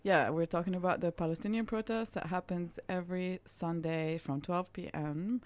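A woman with a slightly low voice hosts a community radio show. She talks in a relaxed, chatty way, leaning on fillers and friendly agreement. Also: normal speed. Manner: warm, chatty, many fillers like um and yeah. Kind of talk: casual radio interview.

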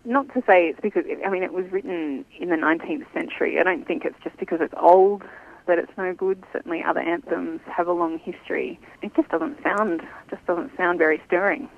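Female journalist over the phone: fry in the voice, lo-fi phone sound, chatty and thoughtful. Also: fairly low pitch, steady tone, brisk. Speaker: journalist guest. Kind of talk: phone interview. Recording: tinny phone line.

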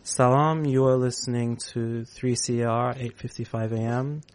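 A man's voice: mid-range voice, steady tone, normal speed, darkish tone. A man hosting a community radio show, chatting casually and thinking aloud with fillers. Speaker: radio host. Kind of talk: casual interview chat.

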